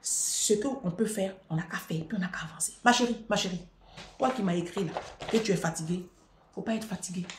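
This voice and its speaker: A middle-aged woman vlogging, telling a story and giving advice in an emphatic way, repeating her phrases and rising to near-shouting at her peaks. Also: mid-range voice, a little fast, echoey room, noisy background. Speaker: vlogger answering a viewer.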